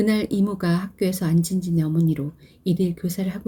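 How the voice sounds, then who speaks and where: A woman speaks at a fairly quick pace in a dark, mellow tone that is somewhat breathy. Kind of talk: audiobook novel reading.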